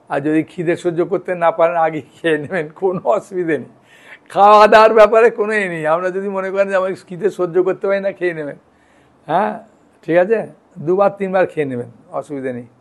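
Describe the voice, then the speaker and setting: A man's voice: high-pitched, fast talker. A man giving a devotional lecture as a monk. He talks in a conversational, reassuring way and often checks in with his listeners. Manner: conversational, reassuring, checks in with "hyan" and "thik ache".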